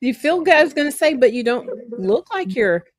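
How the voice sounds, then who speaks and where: A woman's voice: sits high, big pitch swings, a little fast, no echo. A woman hosting a casual live online interview show, effusive and chatty. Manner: bubbly, effusive, laughs often. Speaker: host.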